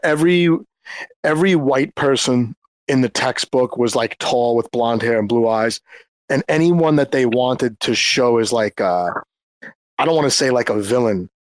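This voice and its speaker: A man from New York speaks as a guest in a relaxed group chat. He halts and restarts as he searches for words, at a middle pitch. The sound is dry and close, with no room around it. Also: moderate pace, no room sound. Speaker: guest, former English teacher.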